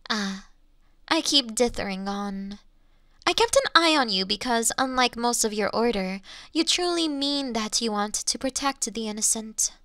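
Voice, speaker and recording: A woman playing an ancient, elegant monster in a Victorian fantasy audio drama, teasing her hunter in archaic, formal phrases with lingering pauses. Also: a little high, animated, pushed and bright, dry recording, clean studio sound, exaggerated voice. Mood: musing. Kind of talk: slow theatrical roleplay monologue in Victorian fantasy audio drama.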